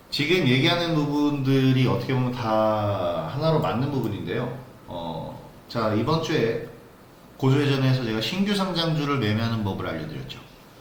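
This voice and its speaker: A man at medium pitch with lively intonation, in audible room echo and noticeable background noise. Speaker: stock market broadcaster. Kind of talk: live stream market talk. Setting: live online broadcast. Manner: fast.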